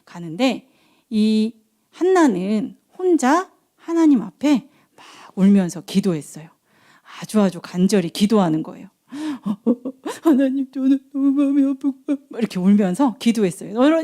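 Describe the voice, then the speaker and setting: A young woman preacher telling a Bible story to children in an animated way, asking them questions and acting out the voices. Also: on the high side, moderate pace.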